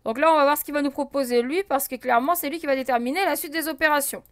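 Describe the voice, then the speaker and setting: A woman's voice: sits high, rapid-fire, dry recording, studio quality. A woman casually commenting on her gameplay as a let's play host, thinking aloud with many fillers and talking to her viewers. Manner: counts and checks items out loud.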